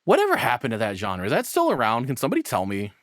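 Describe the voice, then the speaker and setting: A man's voice: mid-range voice, huge pitch swings, racing, no room sound, studio quality. A man giving casual, off-the-cuff reaction commentary, rambling and blunt, with plenty of swearing. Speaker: streamer reacting to a video.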